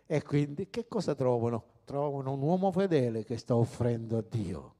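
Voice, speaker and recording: Un uomo che predica un sermone con fervore, passando da toni sommessi a slanci forti e interpellando i fedeli. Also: male voice, medium pitch, animated, moderate pace. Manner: rousing preacher, swings from hushed to loud, calls to the congregation. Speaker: pastor. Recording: long hall reverb.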